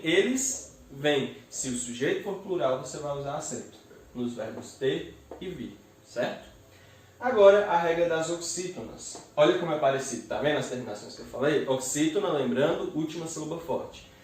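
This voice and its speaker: A man teaching a grammar lesson, explaining step by step and slowly splitting words into syllables. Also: fairly high pitch, far from the mic, slight background noise. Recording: echoey room, voice away from the mic.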